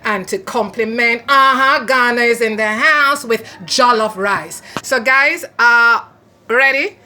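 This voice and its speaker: A woman's voice: fairly high pitch, slow, bright, forceful tone. A woman presenting and interviewing in a casual, chatty vlog style. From Jamaica. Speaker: host of a travel vlog channel, interviewer.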